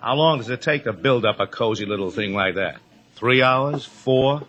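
A man's voice: medium pitch, animated, moderate pace, a bit bright, highs cut off, close to an everyday voice. A man playing a brash, needling comedian and schemer in a 1950s radio drama, wisecracking and pushy, repeating himself. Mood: sarcastic, jealous.

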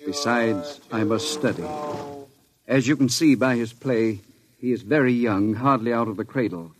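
A man's voice: mid-range voice, moderate pace, no echo, faint music behind, close to an everyday voice. A man playing a proud old scientist. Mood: earnest. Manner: formal, precise, earnest. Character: older male scientist, secretive and proud. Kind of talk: 1950s radio drama acting.

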